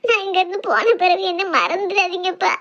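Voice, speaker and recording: A woman's voice: extremely high pitch, expressive, brisk, fairly bright tone, dull audio, heavily acted. A woman doing a weepy young bride. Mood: tearful. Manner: pleading, weepy. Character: tearful young village bride leaving home.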